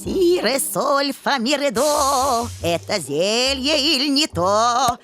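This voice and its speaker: A woman's voice: high-pitched, expressive, slow pace, fairly bright tone, soft background music, heavily acted. A woman voicing a grumpy potion-brewer who grumbles and chants spells in a fairy-tale cartoon. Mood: busy, incanting.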